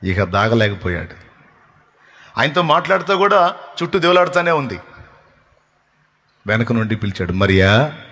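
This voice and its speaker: Man, pastor, impassioned sermon, husky, mid pitch. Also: very animated, normal speed, long pauses, bright, forceful tone. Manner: impassioned preaching, retelling scripture scenes and asking the congregation questions. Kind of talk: Telugu sermon.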